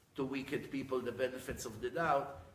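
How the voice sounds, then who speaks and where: With an Israeli accent, a man speaks at a medium pitch. His intonation stays fairly even. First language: Hebrew. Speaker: rabbi giving Torah lectures. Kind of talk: religious lecture.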